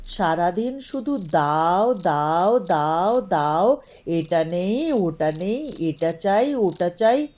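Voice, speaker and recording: A woman's voice: on the low side, animated, extremely slow, heavy background noise. Storybook role: crotchety old male householder, woman performing, commanding, grumbling, scolding. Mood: weary grumbling. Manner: grumbling, scolding, calling out to servants. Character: irritable, imperious old male master of a grand house.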